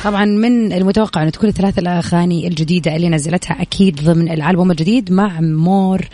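A woman's voice: fairly low pitch, fairly even intonation, rapid-fire. A woman hosting a music chart show like a late-night radio DJ, chatty and informal, dropping English words into her talk. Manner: mixes English words and phrases into speech.

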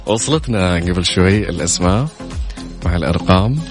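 Over clear background music, a Saudi man presents a casual morning radio show. His voice is on the low side, and he talks in a chatty way with the odd English phrase mixed in. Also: fairly quick. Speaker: radio host. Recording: music behind the voice.

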